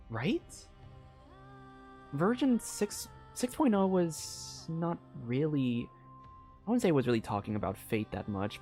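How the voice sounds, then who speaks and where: A woman's voice: a bass voice, darkish tone. A woman streamer giving casual game commentary, theorizing aloud in a rambling way that keeps circling back. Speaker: streamer playing and reacting to a game.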